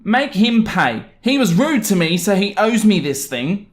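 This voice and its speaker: A man voicing a haughty, indignant, demanding mother in a storytelling narration, with a shrill delivery. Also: very animated, unhurried. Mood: bossy. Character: pushy, indignant entitled middle-class mother, adult woman.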